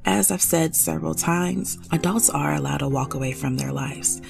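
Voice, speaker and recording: Woman doing a true crime podcast, low gravelly voice, chatty, faint music behind. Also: moderate pace. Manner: conversational, musing aloud, many asides. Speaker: podcast host.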